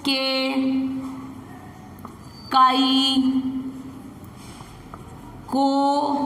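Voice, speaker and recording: A woman's voice: sits high, sharp tone, slight background noise. A woman teaching young children a Hindi lesson, sounding out words syllable by syllable and asking coaxing questions. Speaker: primary school Hindi teacher. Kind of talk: recorded classroom lesson. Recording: echoey room with long reverb.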